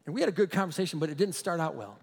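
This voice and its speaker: Pastor guy preaching, high voice, tells stories and chuckles a lot, echoey church. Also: lively intonation, very fast, creaky. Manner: storytelling, chuckling, emphatic. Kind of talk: sermon.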